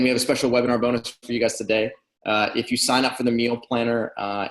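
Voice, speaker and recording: A man hosting a webinar interview, agreeable and upbeat, wrapping up with a promotion. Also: mid-range voice. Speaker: webinar host. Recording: echoey room.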